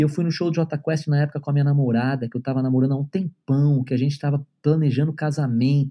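A man speaks very fast, with hardly any pauses, in a fairly high, monotone voice of dark, mellow tone. His loudness stays very even and his delivery is somewhat breathy. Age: 40s. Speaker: musician and music producer. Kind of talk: casual interview.

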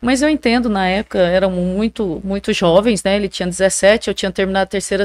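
A woman with an ordinary speaking voice, a medium pitch and ordinary pitch variation talks at a fairly quick pace with hardly any pauses, in a dry, close sound without echo. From Goiás, Brazil (born in Goiânia). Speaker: state legislator and mayor's wife. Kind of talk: casual interview.

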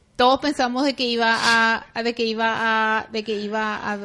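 A woman's fairly high, bright and sharp voice at a fairly slow pace, with fairly even intonation and hardly any pauses. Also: quiet background. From Paraguay. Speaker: football fan, mother of footballers. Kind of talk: interview.

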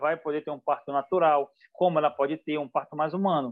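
A normal speaking voice belongs to a man talking at a fairly quick pace. It sits fairly high, with fairly even intonation. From northern Brazil, Macapá. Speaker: hypnotherapist. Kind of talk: online panel talk.

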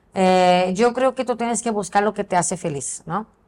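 A woman with a Brazilian accent speaks at a moderate pace with ordinary pitch variation on a very clean recording with a silent background. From southern Brazil. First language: Portuguese (speaking Spanish). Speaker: lawyer and business owner. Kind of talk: interview.

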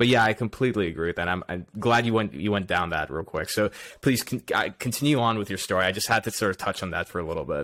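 With an American accent, a man of fairly low pitch talks at a very fast pace with hardly any pauses, in a dry, close sound with no echo. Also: ordinary pitch variation. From Texas. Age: 30s. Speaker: podcast host. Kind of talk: casual interview.

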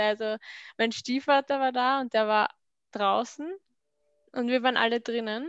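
A woman with a fairly high pitch speaks at a moderate pace in an ordinary speaking voice. The sound is dry and close with no echo, against a quiet background. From Austria, Vienna. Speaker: podcast panelist. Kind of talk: casual chat.

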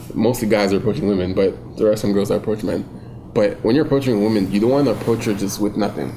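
A man's fairly low voice at a very fast pace, with ordinary pitch variation and very even loudness. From Toronto. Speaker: artist and photographer. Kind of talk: casual chat.

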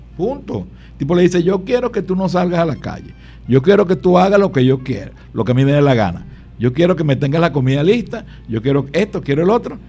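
A man speaks at a fairly quick pace in a fairly high pitch. His pitch swings very widely. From Venezuela, El Tigre, Anzoátegui. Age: 60s. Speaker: psychiatrist and radio host. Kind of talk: radio talk show.

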